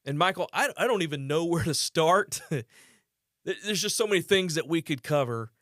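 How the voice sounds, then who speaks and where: Podcast host, male, forties, earnest conversational delivery, slightly high voice, dry close mic. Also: lively intonation, moderate pace, a bit bright, no echo. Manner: earnest, conversational, with brief laughs. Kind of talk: podcast interview.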